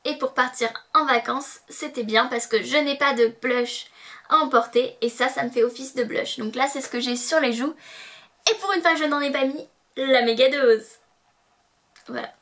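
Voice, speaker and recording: A young woman reviewing beauty products to camera, bubbly and excitable, breaking into playful sing-song repeats. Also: sits high, normal speed. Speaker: beauty vlogger.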